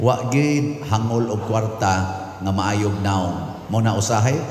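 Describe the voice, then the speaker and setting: A man speaks at a fairly slow pace with ordinary pitch variation. Light background noise and audible room echo are present. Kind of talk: homily with jokes. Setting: church. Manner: animated; humorous, teasing, laughing. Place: church. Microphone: podium.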